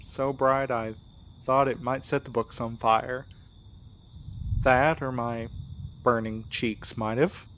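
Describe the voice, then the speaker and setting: A man acting in a fiction podcast as an earnest, gentle, anxious young courier, speaking sincerely and a little hesitantly. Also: mid-range voice, fairly even intonation, slow, pauses often, slight background noise, low-quality recording. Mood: tender.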